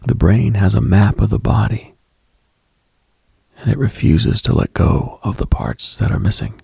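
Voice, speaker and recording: A man hosting a late-night radio show in an intimate, contemplative monologue, hushed and unhurried, with a husky, gravelly, breathy voice. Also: lowish voice, no room sound. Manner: hushed, unhurried, contemplative, addresses listener directly.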